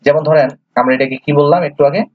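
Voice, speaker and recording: A man's voice: on the high side, fairly even intonation, fast, no echo. A man from Bangladesh teaching English reading, sounding out letters one by one and patiently asking and answering his own questions. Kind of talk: classroom lesson, spelling out letters. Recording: dull, dry, lo-fi sound.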